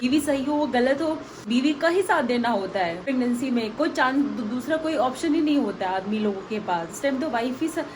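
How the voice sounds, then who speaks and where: A young woman chats straight to her viewers while she cooks and does chores. Her voice sits a little high, and she laughs often. The phone recording picks up clear household noise behind her. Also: lively intonation, a little fast, hardly any pauses. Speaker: family vlogger. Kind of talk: casual vlog narration. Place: home kitchen and house. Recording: noisy home phone recording.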